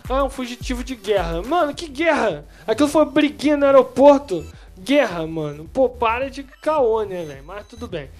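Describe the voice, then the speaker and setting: Dude on a nerd podcast, swears a lot, rants and laughs, light music underneath. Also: male voice, very high voice, lively intonation, moderate pace, a little mellow. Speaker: podcast co-host. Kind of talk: casual nerd podcast chat.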